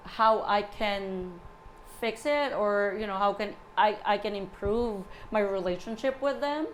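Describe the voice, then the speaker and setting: A woman in her forties, a guest in casual chat, talking in a halting way with repeated words and many "you know"s. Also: medium pitch, a little hiss or hum, rough recording. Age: 40s.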